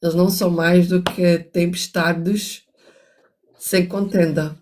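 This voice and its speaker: A woman's voice: lowish voice, flat delivery, takes it slowly, darkish tone, a little hiss or hum. An older woman, hosting a reflective book discussion, musing and moralizing as she goes. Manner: musing, restarts often, moralizing asides. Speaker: host reading and analyzing a book.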